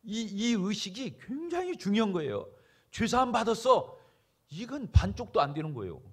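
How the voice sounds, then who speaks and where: Animated Korean pastor preaching. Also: male voice, high-pitched, normal speed, breathy edge. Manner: emphatic, rhetorical questions to the congregation. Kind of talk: sermon.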